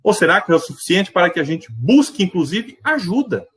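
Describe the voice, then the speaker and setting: A man's voice: high voice, a little fast. A man giving a spiritist lecture online, telling anecdotes in a conversational, reflective way and voicing the characters in his stories. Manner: animated, tells anecdotes and voices the characters in quotes. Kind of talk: virtual religious lecture with storytelling.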